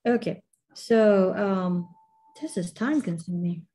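Middle-aged woman, warm mellow tone, casual instructor thinking aloud as she shapes clay. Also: mid-range voice, slow pace. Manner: thinking aloud, many fillers and trailing phrases. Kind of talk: casual chat while demonstrating.

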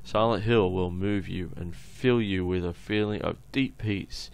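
A man with an Australian accent reading aloud as a welcoming tourist brochure writer in a measured, presentational voice, on a noisy home recording. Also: low voice, fairly even intonation, vocal fry, clean tone. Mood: inviting, serene. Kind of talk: read-aloud scripted narration.

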